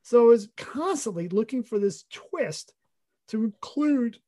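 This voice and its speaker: A man's voice: very high-pitched, lively intonation, a little slow, mellow. A man co-hosting a cartoonist podcast in casual chat, earnest and rambling, correcting himself mid-sentence.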